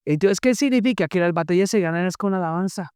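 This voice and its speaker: A preacher giving a sermon, retelling Bible stories in an animated way with joking asides and questions to the congregation. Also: medium pitch, fast, clear, resonant tone, dry recording, clean studio sound.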